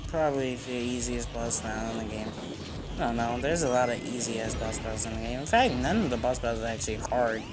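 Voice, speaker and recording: A man's voice: medium pitch, brisk. Teen male, mid-range voice, casual opinionated let's-play narrator, game soundtrack underneath. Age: 14, teenager. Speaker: gamer narrating a playthrough. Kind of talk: casual rambling gaming commentary. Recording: game music behind the voice. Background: video game music.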